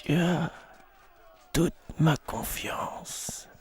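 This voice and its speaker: A man voicing a dying, solemn mentor in a fantasy video game, with a weak breathy voice. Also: a little high, flat delivery, drawn-out words, darkish tone, voice pushed up. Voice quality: breathy, creaky, failing voice. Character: dying mentor solemnly entrusting a young paladin.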